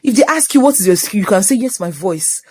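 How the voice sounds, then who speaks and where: A woman's voice: mid-range voice, expressive, quick pace, a little mellow, slightly rough, dry recording. A young woman with a Nigerian accent hosting a motivational talk, moving between English and Pidgin, teasing and scolding her listeners. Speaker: host. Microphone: phone.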